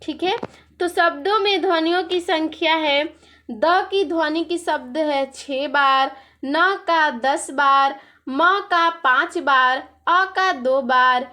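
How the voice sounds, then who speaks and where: A woman explains a children's lesson at an unhurried, deliberate pace. Her voice sits high and she walks through each answer patiently, pausing to check the class is following. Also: sharp tone. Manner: explains patiently, often says "ठीक है". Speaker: teacher.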